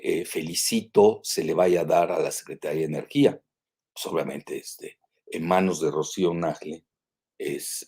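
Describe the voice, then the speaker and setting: An older man with a Mexican accent talks through the news live in a low, slightly husky voice. He digresses often, with frequent "eh" fillers and self-corrections. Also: darkish tone. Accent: Mexican Spanish. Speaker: geopolitical analyst hosting a weekly live show. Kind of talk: live commentary, reading and remarking on news.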